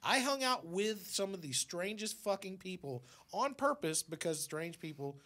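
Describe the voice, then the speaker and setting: A man's voice: high-pitched, animated, moderate pace, sharp tone. A man in a casual podcast chat, reminiscing in an emphatic way.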